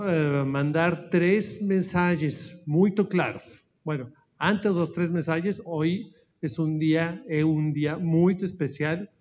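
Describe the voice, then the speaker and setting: Slow, halting man with a Spanish accent. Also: on the high side, a little mellow. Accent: Spanish-speaking, mixing Spanish into Portuguese. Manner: halting, searching for words. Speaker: speaker at an anniversary event. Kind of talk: formal presentation with slides. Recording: dull lo-fi audio.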